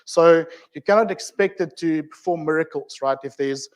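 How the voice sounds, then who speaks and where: A man's voice: a little high, normal speed. A man with a South African accent giving an informal technical talk at a community meetup, chatty and filled with ums, uhs and asides to the audience. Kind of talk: informal tech presentation.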